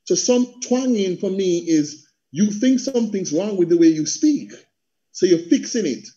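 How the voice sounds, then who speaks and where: A man's voice: high voice, moderate pace. A middle-aged man with a Jamaican accent talking passionately and rhythmically on a panel video call, slipping into patois. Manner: animated, rhythmic, slips into patois. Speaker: panel guest, theatre practitioner and coach. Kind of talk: passionate conversational talk. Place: indoor room at home on a video call. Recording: dull video call audio.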